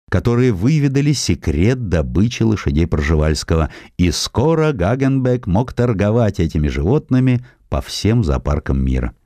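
A man reads a scripted historical essay as an audiobook narrator, in an expressive, measured storytelling manner. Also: low voice, no room sound. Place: studio.

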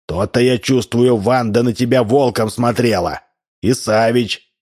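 A man's voice: medium pitch, a little slow, darkish tone, close to an everyday voice. A man reading aloud and voicing a plainspoken middle-aged man, puzzled and indignant.

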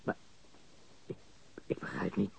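A man's voice: a little slow, in a whisper, close to an everyday voice. An actor playing an agitated prisoner who protests his innocence, pleading and stammering in a radio crime drama. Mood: uneasy.

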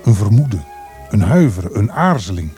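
A radio-play poet, speaking with solemn, possessive passion. His voice is dark and soft-edged, rising and falling dramatically over faint music. Every phrase is formal and full of yearning. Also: lowish voice, sing-song, moderate pace. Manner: formal, solemn, fervent declamation. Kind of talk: Dutch radio drama acting.

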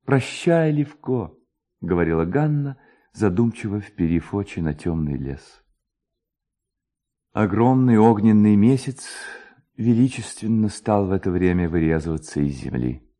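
A male narrator reads a literary tale with theatrical suspense. His voice is on the low side and mellow, a little husky, and his intonation ranges very widely. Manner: expressive, theatrical, suspenseful storytelling.

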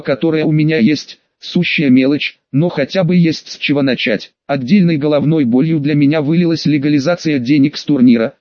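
A man reading a first-person audiobook in a calm, measured way. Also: on the high side, dry recording. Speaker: audiobook narrator. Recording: dull, dry lo-fi recording.

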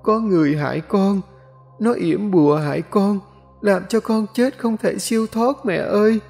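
Guy doing a high wailing ghost girl, begging her mom, audio story. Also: measured pace, gravelly, darkish tone, soft background music. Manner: wailing, pleading. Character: ghost of a young woman, grieving and wronged.

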